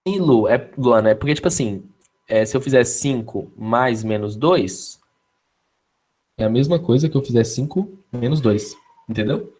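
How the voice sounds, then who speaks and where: Man, Brazilian Portuguese accent, husky voice, mid pitch, physics teacher, laid-back live online lecture. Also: normal speed, darkish tone. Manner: casual, checks in with students often.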